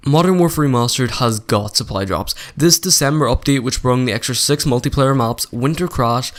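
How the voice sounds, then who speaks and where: A man with a sore throat from an infection, giving his rambling, opinionated take in a casual gaming vlog. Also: mid-range voice. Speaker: gaming YouTuber.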